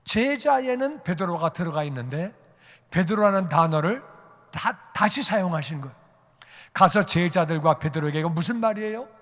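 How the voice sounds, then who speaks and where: A male pastor preaching a sermon, acting out quoted dialogue and rising to loud, emphatic peaks. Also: high-pitched, lively intonation, normal speed, in a large hall. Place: church sanctuary.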